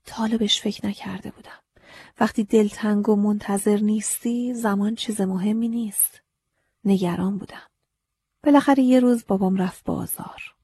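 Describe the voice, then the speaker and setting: A woman narrating an audiobook in the first person, in a breathy, often half-whispered and intimate way. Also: mid-range voice, steady tone, warm tone.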